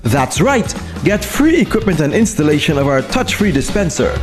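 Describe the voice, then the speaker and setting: Lively announcer over music. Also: medium pitch, normal speed. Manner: upbeat, promotional. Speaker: commercial announcer. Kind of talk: radio-style ad read. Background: music bed.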